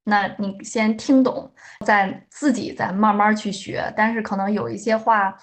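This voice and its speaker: A young woman with a Beijing accent, a guest explaining local speech in a measured, thoughtful way. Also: medium pitch, flat delivery. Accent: Beijing Mandarin. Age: young adult. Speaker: guest co-host. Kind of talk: casual explanatory chat.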